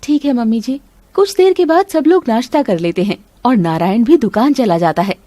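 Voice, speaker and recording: A woman narrates a storybook cartoon in a high, lively voice that rises and falls a lot. She tells the story plainly and clearly, explaining what happens. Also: fairly quick, no echo.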